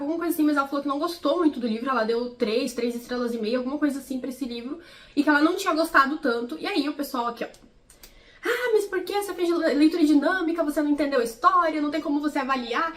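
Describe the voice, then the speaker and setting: Fast-talking high-voiced young woman. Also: sharp tone. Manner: chatty, explanatory, with frequent "né" and "tá". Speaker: book vlogger. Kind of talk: casual vlog commentary.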